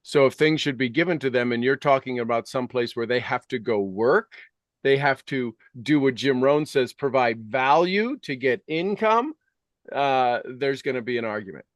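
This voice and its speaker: A man's voice: mid-range voice, animated, moderate pace, no echo, studio quality. A middle-aged or older man talking conversationally like a coach, emphatic and repeating phrases to drive points home.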